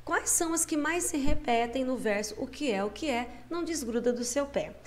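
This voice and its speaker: Her high-pitched voice has lively intonation as she, a teacher, leads young pupils through a lesson in their schoolbook. Patiently coaxing them along, she slows to sound out each syllable.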